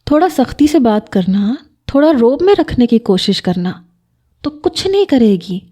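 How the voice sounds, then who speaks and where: A woman's voice: fairly high pitch, big pitch swings, warm tone, voice pushed up. A woman voicing a pushy married man who coaxes his friend with bossy advice. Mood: coaxing.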